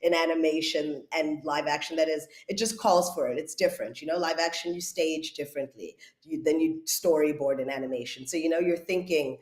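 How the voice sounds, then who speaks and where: A woman's voice: low voice, a little fast, few pauses, darkish tone. Woman in an echoey room. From South Africa. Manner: thoughtful, searching for words. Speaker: guest, writer and director. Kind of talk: reflective conversational interview.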